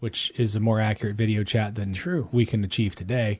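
A man talks at a fairly quick pace, sounding somewhat breathy. The background is quiet. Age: 40s. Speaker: podcast co-host. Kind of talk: casual chat. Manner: animated.

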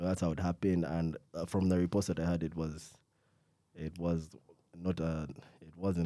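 On a very clean recording with a silent background, a man's very deep, low, dark and mellow voice moves at a moderate pace with monotone, flat intonation. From Uganda. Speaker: podcast host. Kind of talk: casual chat. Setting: studio.

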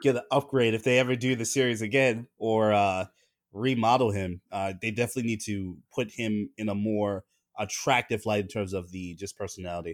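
A normal speaking voice from a man at medium pitch, with ordinary pitch variation and moderate pace, in a very clean recording with a silent background. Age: 30s. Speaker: streamer and fighting game competitor. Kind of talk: casual interview.

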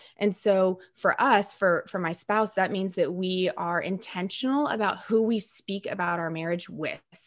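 A woman talks at a moderate pace and medium pitch with hardly any pauses. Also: ordinary pitch variation. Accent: Midwestern American. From US Midwest, Nebraska. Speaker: dietitian. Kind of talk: casual chat.

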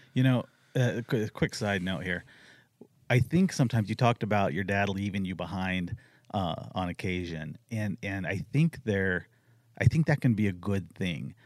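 An unremarkable speaking voice on a very clean recording against a silent background. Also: man, fairly low pitch for a man, lively intonation, moderate pace. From Missouri. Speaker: podcast host. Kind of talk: casual interview conversation.

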